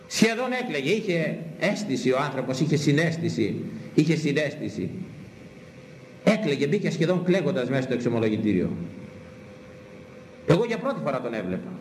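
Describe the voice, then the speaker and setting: Older greek priest, fiery sermon, higher voice, echoey church hall with faint room hum. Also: male voice. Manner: impassioned preaching with sharp swings of pitch and repetition. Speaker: Orthodox priest.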